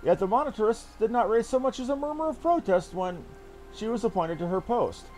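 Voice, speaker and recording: A man's voice: high voice, expressive, a little fast, a little mellow, soft background music, voice pushed up. A man reading game dialogue aloud as a stern military captain, with grave, formal, old-fashioned phrasing. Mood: stern, intent. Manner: grave, formal, archaic diction. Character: earnest military captain briefing an ally on a spy hunt.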